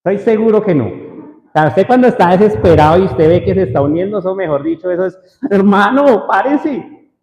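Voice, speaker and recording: A man's voice: high voice, quick pace, vocal fry, dark tone. A man preaching a sermon to a congregation, often asking the listeners questions. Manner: asks the audience frequent questions. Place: church hall. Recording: roomy hall echo, dull lo-fi sound.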